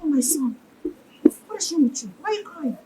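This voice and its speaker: A woman's voice: high voice, sing-song, brisk, heavy background noise. An actress playing a protective queen and mother who pleads and accuses. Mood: aggrieved.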